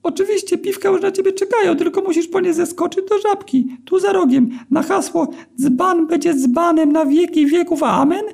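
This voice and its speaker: A man voicing a squeaky, fawning magical male white eel that grants wishes, in a read-aloud story. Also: steady tone, moderate pace, vocal fry, hardly any pauses, darkish tone. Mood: obliging. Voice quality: squeaky, thin little voice. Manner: fawning, obliging. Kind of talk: storytelling character voice.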